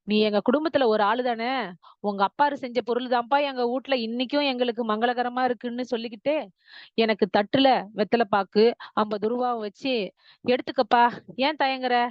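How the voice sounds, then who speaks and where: A woman's voice: fairly high pitch, no room sound, muffled recording, natural voice. A woman voicing a poor old male carpenter who pleads through tears.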